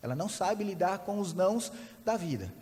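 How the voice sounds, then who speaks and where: A man preaching a sermon as a pastor, animated storyteller who acts out the people in his stories. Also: high voice, normal speed. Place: church hall. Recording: long hall reverb.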